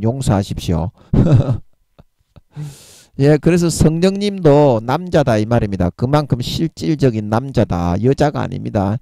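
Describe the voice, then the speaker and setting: A man's voice: mid-range voice, dark tone, no echo. A male preacher, giving a sermon and repeating key words for emphasis with frequent chuckles.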